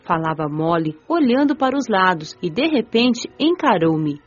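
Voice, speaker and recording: A woman playing a gentle, playful young spirit who narrates an audiobook drama in an expressive storytelling manner. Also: mid-range voice, moderate pace, close to an everyday voice. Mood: narrating. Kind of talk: scripted first-person audiobook narration. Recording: dull band-limited audio, faint music.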